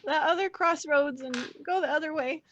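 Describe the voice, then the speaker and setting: A woman's voice: sits high, a bit bright, dull audio, a little hiss or hum, voice pushed up. Woman doing a stammering nervous young guide. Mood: flustered. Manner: halting, apologetic, stammering.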